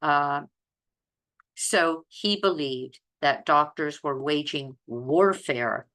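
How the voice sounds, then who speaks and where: In a low, slightly bright voice, a woman takes her time reacting to listed quotes. She is a health vlogger who advocates plant-based eating, and her commentary is informal, earnest and emphatic.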